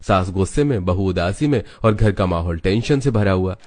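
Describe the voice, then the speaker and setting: A man narrating an animated family story in a steady, storytelling manner. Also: low-pitched, moderate pace.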